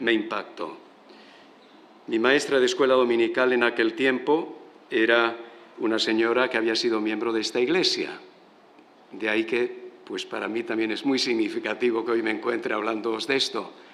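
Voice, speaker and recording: A man speaks with long, frequent pauses. Audible room echo surrounds his voice. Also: moderate pace. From Málaga, southern Spain. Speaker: preacher. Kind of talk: sermon. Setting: church.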